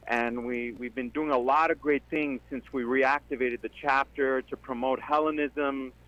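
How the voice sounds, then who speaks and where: A man from Greece calling in to a radio show, talking earnestly with many pauses. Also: medium pitch, fairly even intonation, fairly bright tone. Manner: earnest, with many ums, speeds up when joking. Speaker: caller. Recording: dull lo-fi phone line.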